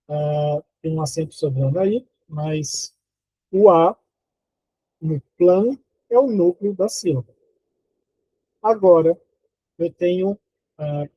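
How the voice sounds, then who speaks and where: In a low-quality recording, a man teaching phonology online at university level speaks Brazilian Portuguese slowly and deliberately, asking his students rhetorical questions and counting out syllables. His voice sits on the high side, dark and husky.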